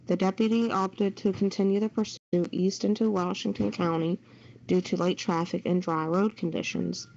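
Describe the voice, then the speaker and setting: A woman's voice: on the low side, vocal fry, darkish tone. A woman reading a local news report as a co-presenter, over muffled audio with some noise.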